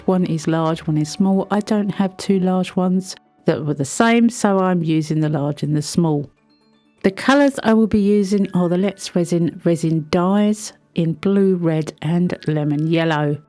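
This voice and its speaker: A woman with a cold, sounding croaky, chatting her way through a craft tutorial voice-over with friendly little asides. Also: fairly low pitch, warm tone. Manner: chatty, self-deprecating asides. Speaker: resin craft video host.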